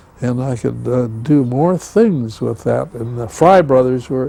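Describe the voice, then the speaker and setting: Speaking at a fairly slow pace with an American accent, a man talks at medium pitch with ordinary pitch variation over noticeable background noise. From Sonoma County, California. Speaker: rancher and car dealer. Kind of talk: oral history interview answer.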